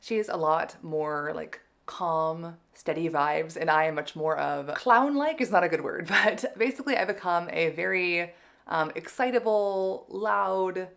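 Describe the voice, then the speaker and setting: Chatty woman with a low gravelly voice. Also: a little slow, a bit bright. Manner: chatty, self-deprecating, many fillers. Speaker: vlogger learning Korean. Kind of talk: casual talk to camera.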